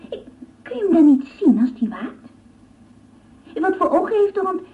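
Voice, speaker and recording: A woman's voice: extremely high pitch, big pitch swings, moderate pace. A woman voicing a whimsical, inquisitive little girl with childlike prattle in a radio play. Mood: sleepy, anxious. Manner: childlike prattle, endless naive questions. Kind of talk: Dutch radio play acting. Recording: muffled lo-fi old radio recording.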